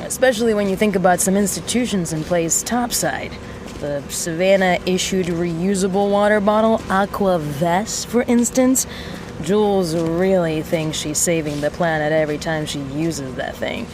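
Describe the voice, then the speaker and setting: A woman playing a sardonic mechanic in a sci-fi audio drama, rambling to a listener with mock-solemn, theatrical pauses. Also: lowish voice, music in the background, close to an everyday voice. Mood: dry sarcasm. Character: sardonic, rambling young female mechanic in an underground resistance.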